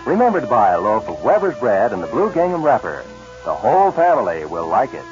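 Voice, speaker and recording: Old-time radio announcer, a man, lively pitch swings. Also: fairly quick. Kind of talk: old-time radio announcing, scripted sponsor copy and narration. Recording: dull lo-fi vintage radio, music behind. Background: music.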